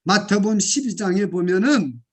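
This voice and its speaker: A male pastor with a very high voice delivers a sermon. He urges the congregation to shout along with him and often rises to loud, fervent exclamations. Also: expressive, moderate pace.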